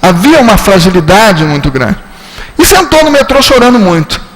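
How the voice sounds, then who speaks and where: A man's voice: normal speed, rough recording. A man with a Rio de Janeiro Portuguese accent giving a spiritist lecture, telling a story and acting out the dialogue. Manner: animated storytelling, acts out dialogue with shifting pitch. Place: spiritist centre lecture hall.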